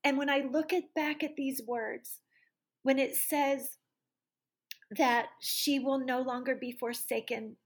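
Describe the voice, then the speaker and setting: Middle-aged woman guest, husky and a little high, earnest soft testimony. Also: fairly even intonation. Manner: earnest, slow and soft, reading a prayer aloud. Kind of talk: personal testimony in a podcast interview.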